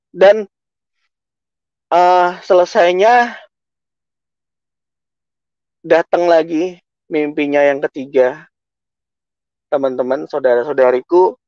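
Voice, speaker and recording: A man's voice: a little high, a little mellow, no room sound, lo-fi sound. A man giving an emotional personal testimony to a congregation, telling his story earnestly and acting out what he said. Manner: earnest, emotional storytelling with many self-quotes.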